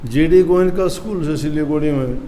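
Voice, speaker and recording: A man from India, giving a spiritual sermon in a slow, homely storytelling manner with rural turns of phrase. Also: on the high side, warm tone, slight background noise, low-quality recording. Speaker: spiritual teacher giving satsang.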